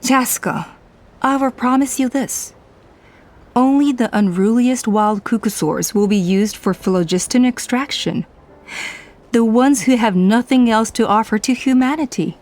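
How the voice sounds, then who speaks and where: An actress playing a proud, ruthless female tribal leader in a video game, speaking in measured, persuasive, self-justifying speeches. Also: on the high side, a little mellow, slight background noise, lightly acted. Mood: coolly persuasive. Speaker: game character voice actor. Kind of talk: dramatic video game voice acting.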